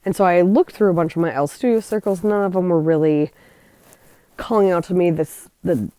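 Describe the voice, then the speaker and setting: A woman's voice: fairly low pitch, brisk, dark tone, no echo. A woman hosting a scrapbooking channel, narrating her project in a chatty, rambling way that trails off and corrects herself. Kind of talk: casual craft voice-over.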